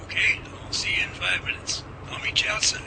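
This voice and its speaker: A man's voice: very animated, fairly quick. A man playing a friendly, earnest science professor in an amateur radio drama, speaking in a genial, folksy, explanatory way. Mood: businesslike. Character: friendly, earnest male science professor running Bigfoot lab. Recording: very noisy track, loud ambient rumble.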